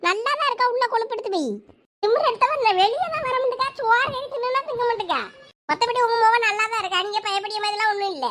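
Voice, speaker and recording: A woman playing a sharp-tongued village mother who nags and scolds. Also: extremely high pitch, fast talker. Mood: scolding. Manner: scolding, nagging. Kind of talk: comedy skit acting.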